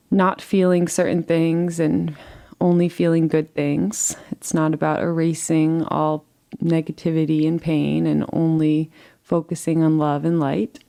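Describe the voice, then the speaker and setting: Mellow, low-voiced woman guiding meditation. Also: vocal fry. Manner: soothing, gentle, unhurried with pauses. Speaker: guided meditation teacher. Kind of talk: guided relaxation meditation, live session.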